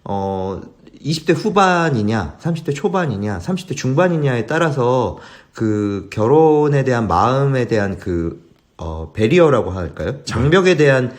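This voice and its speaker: Man in his thirties with lively intonation. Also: mid-range voice, a little slow. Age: 30s. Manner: hesitant, roundabout phrasing. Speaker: podcast co-host. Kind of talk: casual conversational chat.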